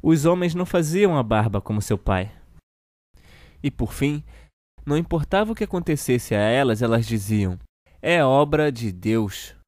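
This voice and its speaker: A man with a Brazilian accent playing a children's TV uncle who reads a storybook slowly and deliberately to children. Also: medium pitch, animated, a little mellow, no room sound, studio quality, lightly acted. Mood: storytelling. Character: children's TV show host uncle reading a satirical storybook. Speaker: storyteller host of a kids' show.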